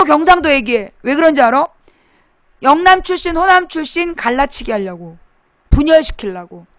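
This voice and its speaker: A woman's voice: sits high, fairly bright tone, no echo, clean studio sound. A woman hosting a political talk webcast, talking bluntly and emphatically to her live chat audience and firing rhetorical questions at them.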